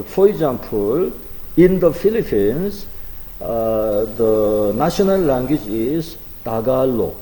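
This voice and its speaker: A man teaching a language class in English, speaking slowly and haltingly with many fillers and asking his students questions. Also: mid-range voice, mellow, big-room sound, rough recording. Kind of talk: online class lecture.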